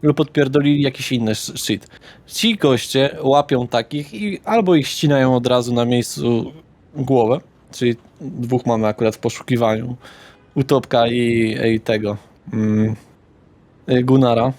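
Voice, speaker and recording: A man's voice: medium pitch, a little slow, a little mellow. A man running a tabletop roleplaying game, speaking in character in a blunt, slangy way with frequent swearing. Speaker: game master.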